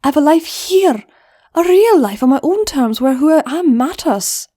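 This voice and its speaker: A woman doing a gruff teasing goblin big sister. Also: high-pitched, lively intonation, normal speed, voice pushed up. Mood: earnest. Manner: brusque, teasing, softens to whispers. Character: tough older-sister female goblin mare.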